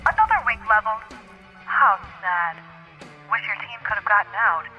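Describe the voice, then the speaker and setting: A woman's voice: medium pitch, animated, moderate pace, dull audio, soft background music, natural voice. An actress playing a smug, sadistic villain who taunts her captives with mock politeness in an audio drama. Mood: taunting, cruel.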